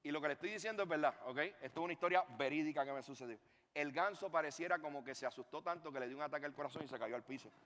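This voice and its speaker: A pastor preaching a sermon, a man with a high, bright voice. He tells his story with lively swings and asides to the congregation. His voice rings out in a hall with a long reverb. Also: racing. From Puerto Rico.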